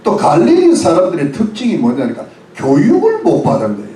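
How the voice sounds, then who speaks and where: Animated Korean pastor preaching in echoey church. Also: male voice, sits high, brisk, distant mic. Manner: explains word by word, mixing English phrases; asks the congregation questions. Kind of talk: sermon.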